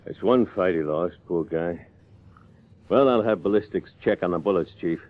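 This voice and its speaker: An actor playing a folksy, plain-spoken police sergeant sidekick in an old-time radio detective drama. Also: male voice, deep voice, normal speed, natural voice. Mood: plain, rueful. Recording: thin, phone-like old radio recording.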